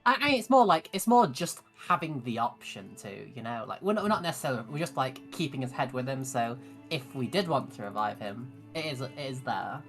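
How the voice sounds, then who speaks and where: Bright, stammering male tabletop player. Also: mid-range voice, very animated, a little fast, hardly any pauses, soft background music. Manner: stammering, repeats words. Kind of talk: casual game chat.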